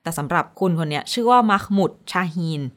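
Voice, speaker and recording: A woman radio host telling a news story in casual chat, animated when quoting. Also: on the low side, fast talker.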